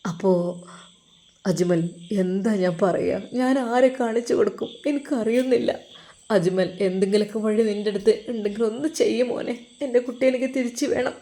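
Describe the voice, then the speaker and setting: A woman's voice: mid-range voice, normal speed, warm tone, natural voice. A woman voicing a desperate wealthy Arab father pleading for help on the phone in a told story. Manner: pleading, anxious.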